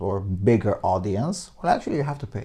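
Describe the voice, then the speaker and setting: In a very clean recording with a silent background, a dark, mellow voice with a non-native accent shows ordinary pitch variation. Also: man. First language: not English. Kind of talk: casual chat.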